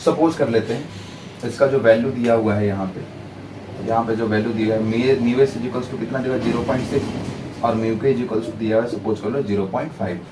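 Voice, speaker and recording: A man's voice: medium pitch, fairly even intonation, normal speed, recorded from a distance, background noise. Man teaching physics in a roomy hall. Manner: dramatic, personifies friction pleading; asks students rhetorical checks. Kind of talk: exam-prep lecture.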